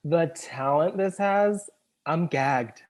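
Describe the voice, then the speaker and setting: A man's voice: on the high side, takes it slowly. A man acting a sassy, unbothered young gay man with a dry delivery in a comedy table read.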